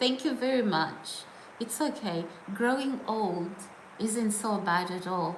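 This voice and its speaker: A woman's fairly high voice at a very slow pace, broken by long, frequent pauses, with audible room echo and noticeable background noise. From England. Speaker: live streamer. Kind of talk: live stream chat.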